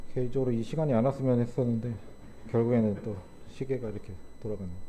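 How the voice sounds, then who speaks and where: The speech comes at a very fast pace in a dark, mellow, somewhat breathy tone. Intonation stays fairly even, and audible room echo is present. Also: man, medium pitch for a man. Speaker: church member speaker. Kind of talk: personal testimony at church meeting. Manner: tends to speak fast when nervous.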